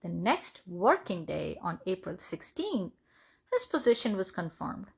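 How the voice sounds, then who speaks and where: Woman with a creaky voice reading aloud. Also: on the low side, very animated, measured pace. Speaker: reader of devotional testimonies. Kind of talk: reading a written first-person story aloud.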